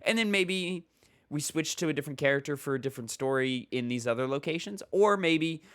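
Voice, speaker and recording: A man's voice: on the high side, expressive, fairly quick, fairly bright tone, smooth, no echo, clean studio sound. A man hosting a casual gaming podcast with a slightly stuffy nose, rambling with fillers and reading news articles aloud. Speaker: podcast host.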